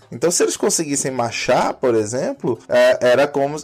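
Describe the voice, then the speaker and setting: A man with a northeastern Brazilian accent talks at a fairly quick pace, his fairly high pitch swinging very widely. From Paraíba interior, Brazil. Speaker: podcast guest. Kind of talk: casual debate on politics.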